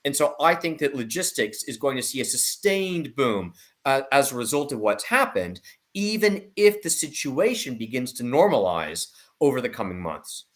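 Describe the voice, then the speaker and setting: A man's voice: mid-range voice, sing-song, normal speed. Emphatic man giving market commentary. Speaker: investment analyst guest. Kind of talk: market commentary in an online discussion.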